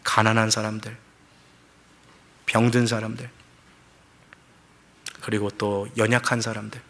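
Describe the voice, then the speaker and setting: Bright-voiced pastor preaching. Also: male voice, lowish voice, unhurried. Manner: lively storytelling with questions to the congregation; mixes English words into Korean. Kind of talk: sermon.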